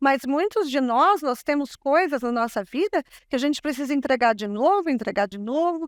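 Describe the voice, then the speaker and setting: Lively intonation comes through a dry, close sound with no echo in a very clean recording with a silent background. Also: woman. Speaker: guest preacher. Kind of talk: sermon. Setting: church with congregation. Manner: halting, frequent self-corrections and repetitions.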